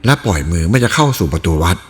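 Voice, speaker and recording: A man narrating a novel aloud in an expressive storytelling read. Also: low voice, very fast. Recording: reverberant room with faint music.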